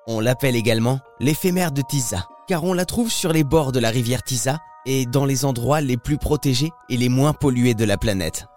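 A man's voice: mid-range voice, moderate pace, hardly any pauses, darkish tone, faint music behind. A man hosting on radio, delivering scripted narration in the manner of a nature documentary. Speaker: radio host.

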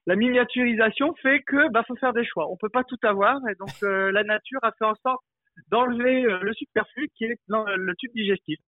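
Male expert interviewee, high register, hesitant spontaneous explainer, dry and narrow telephone-style sound. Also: a little fast, no room sound. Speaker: entomologist, interview guest. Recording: tinny, narrow phone-like line, dry.

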